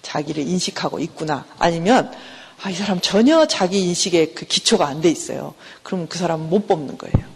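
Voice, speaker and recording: This middle-aged woman professor speaks with a fairly low, husky voice and lively intonation in a conversational university lecture on counseling. She answers her own questions to the class and acts out quick everyday exchanges in changing voices, recorded in a lecture hall with long reverb.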